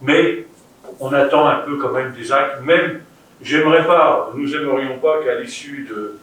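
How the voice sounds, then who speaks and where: A man with a French accent making formal political remarks as a councillor, halting but pointed and emphatic. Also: medium pitch, fairly bright tone. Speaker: local councillor responding at meeting. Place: indoor council meeting room. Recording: very echoey meeting room, distant mic, faint noise.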